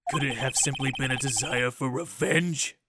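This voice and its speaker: A man playing a bitter, remorseful former defense attorney in a game fan dub, gravelly and brooding, delivering theatrical confessions. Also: medium pitch, steady tone, normal speed, noisy background, lightly acted. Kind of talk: dramatic visual-novel game fan dub. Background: loud music.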